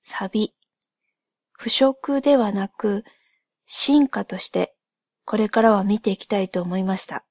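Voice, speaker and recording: A woman speaking softly in a gentle, polite and measured way, as in a calm ASMR-like explanatory monologue by a solo host. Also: mid-range voice, dry recording, clean studio sound. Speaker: host of a solo spoken channel.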